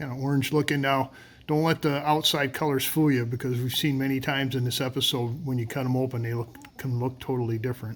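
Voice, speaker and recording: A man talks very fast at a medium pitch, his intonation monotone and flat. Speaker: rock cutting channel host. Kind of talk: casual tutorial narration. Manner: casual, hesitant with fillers.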